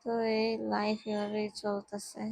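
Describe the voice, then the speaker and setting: A tired young woman, speaking very softly while lying down at home, giving casual health advice into a handheld mic. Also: medium pitch, completely flat delivery, unhurried, creaky, a little hiss or hum, poor audio. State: tired, drowsy. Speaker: vlogger. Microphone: handheld microphone.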